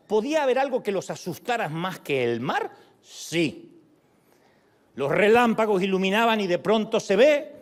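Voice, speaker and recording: A middle-aged man preaching a sermon in a joking, lively way, acting out voices. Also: a little high. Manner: animated, joking, acts out voices.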